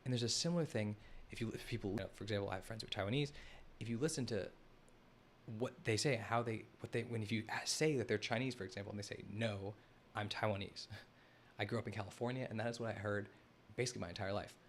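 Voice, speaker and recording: A lower-pitched man hosts a live stream and talks through a map in loose, unscripted commentary. He often stops and restarts his sentences and speaks straight to the chat. A faint hiss sits under the recording. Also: quick pace. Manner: rambling, self-correcting, addresses the chat. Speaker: host of a live analysis stream.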